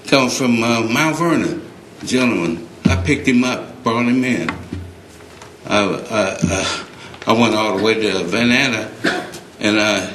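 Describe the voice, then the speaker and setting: Halting, earnest man in an echoey chamber. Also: medium pitch, a bit bright. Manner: halting, earnest, many restarts. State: emotional. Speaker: public commenter at city council. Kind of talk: public comment, unscripted plea. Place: council chamber. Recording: echoey council chamber, faint noise.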